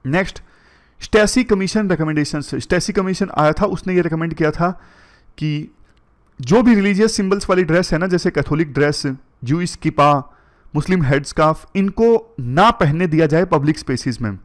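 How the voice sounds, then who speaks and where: Speaking at a moderate pace with a fairly high voice, this man from India delivers an exam-prep lecture on current affairs. He goes through the points one by one, slipping English terms into his speech.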